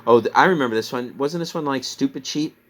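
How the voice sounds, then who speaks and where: An online reseller with a Midwestern American accent rambles casually through a recap of items he's sold, chatty and laughing at himself. He talks fast in a medium-pitched, fairly bright voice, with a little hiss or hum in the audio.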